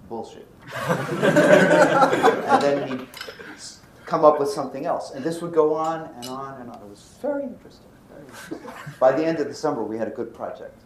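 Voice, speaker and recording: A man's voice: mid-range voice, fairly quick. Older man lecturing in an echoey hall. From Brooklyn, New York. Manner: animated, checks in with students. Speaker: physics professor. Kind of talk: university lecture. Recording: roomy lecture hall, faint noise.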